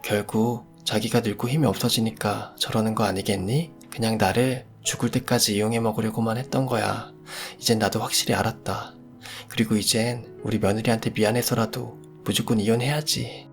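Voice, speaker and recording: A fed-up older mother-in-law speaks out bitterly, as a male reader lifts his voice to play her. The tone is pushed higher than his own over faint background music. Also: steady tone, moderate pace, lightly acted. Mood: resigned. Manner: accusing, then tearful and resigned. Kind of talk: storytelling radio drama voice.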